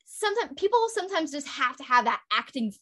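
High-voiced chatty young woman. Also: sing-song, a little fast, a bit bright. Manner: chatty, upbeat, many fillers and restarts. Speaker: guest, voice actor and author. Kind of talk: casual interview chat. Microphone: home recording setup.

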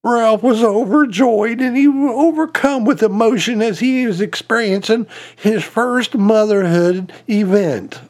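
A man's voice: high-pitched, a little slow, darkish tone. A man telling spoken jokes in a folksy way, laughing at his own punchlines. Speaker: joke teller.

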